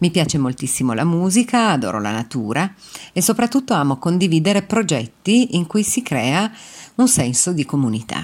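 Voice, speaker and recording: With vocal fry and very wide pitch swings, a woman speaks at a fairly low pitch and moderate pace in a very clean recording with a silent background. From Italy, Turin. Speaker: journalist. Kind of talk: personal testimony. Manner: formal.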